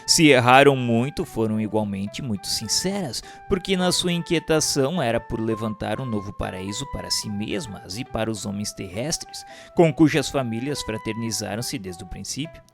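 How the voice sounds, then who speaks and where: A man's voice: lowish voice, vocal fry. A man with a Brazilian accent giving a solemn scripted narration of a spiritual text, in a formal, declamatory manner.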